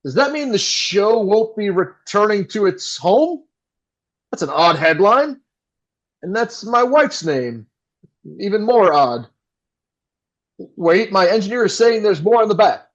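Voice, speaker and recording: A man's voice: sits high, big pitch swings, a little slow, pauses often, highs cut off, full character voice. A man playing a flustered, melodramatic 1960s New York radio host with theatrical announcer delivery in an audio drama. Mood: puzzled.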